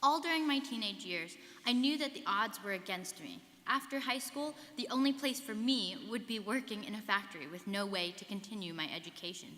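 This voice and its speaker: A woman's voice: medium pitch, fairly quick, few pauses, sharp tone, close to an everyday voice. A young woman, a student performer, reciting an earnest first-person life story in a rehearsed stage reading. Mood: earnest recollection. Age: young adult. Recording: live reading in reverberant hall.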